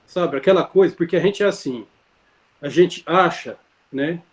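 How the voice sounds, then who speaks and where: A man's voice: a little high, moderate pace. A man telling a personal story in casual conversation, rambling with many fillers and self-corrections, heard over a video call. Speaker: interview guest.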